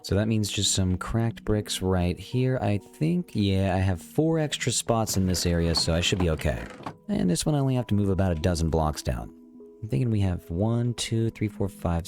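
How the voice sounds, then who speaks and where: A man's voice: low voice, animated, normal speed, gravelly. A man with a slight cold giving casual, chatty gameplay commentary as host of a gaming series, thinking aloud as he goes. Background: music.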